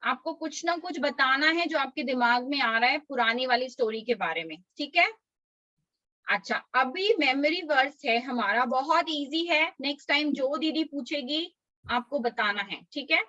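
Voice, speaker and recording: Bright high-voiced woman teaching small kids. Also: lively intonation, dry recording, muffled recording. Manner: coaxing, slow drilled recitation for small kids. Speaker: Sunday school teacher. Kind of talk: online children's class. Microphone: video call.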